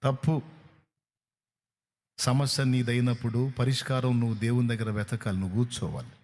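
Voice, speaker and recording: A man's voice: medium pitch, steady tone, normal speed, a little mellow. A man with a Telugu accent preaching a sermon, pressing his point with rhetorical questions and acting out what people say. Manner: emphatic preaching with rhetorical questions and acted-out quotes. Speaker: pastor.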